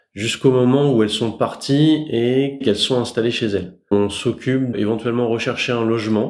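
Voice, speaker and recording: This man has an unremarkable speaking voice at a medium pitch. His intonation stays fairly even. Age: 40s. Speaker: senior relocation assistant. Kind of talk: interview testimony.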